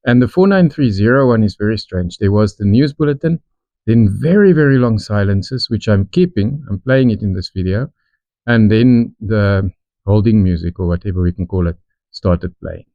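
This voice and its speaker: A man's voice: fairly low pitch, animated, moderate pace, mellow, no echo. A man gives informal explanatory commentary as a hobbyist presenting his own radio recordings. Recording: dull, dry, muffled recording.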